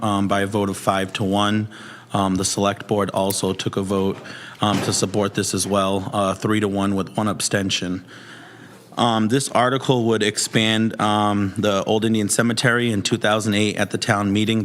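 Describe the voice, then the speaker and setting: Male petitioner, hoarse, lowish and monotone, giving a courteous semi-formal presentation at a public meeting. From Mashpee, Massachusetts, United States. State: hoarse, voice partly lost. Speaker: petitioner addressing a commission. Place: town hall meeting room.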